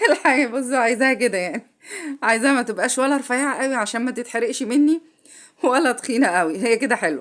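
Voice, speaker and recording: Fairly quick in pace, a woman speaks at a high pitch with ordinary pitch variation. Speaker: home cooking video host. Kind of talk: cooking tutorial. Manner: casual, halting.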